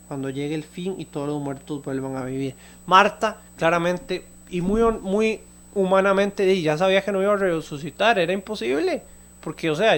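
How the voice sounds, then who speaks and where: A man with a Costa Rican Spanish accent delivers a sermon in a slightly high voice. He reads a scripture passage aloud, then steps back to explain it in an easy, conversational way, with the small restarts and fillers of unscripted talk. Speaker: preacher. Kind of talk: Bible reading and sermon commentary.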